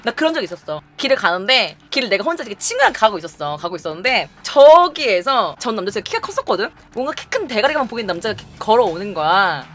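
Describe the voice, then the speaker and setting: A young woman vlogger telling a story to camera in a casual, animated way, acting out quotes and laughing often. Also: medium pitch, quick pace, hardly any pauses.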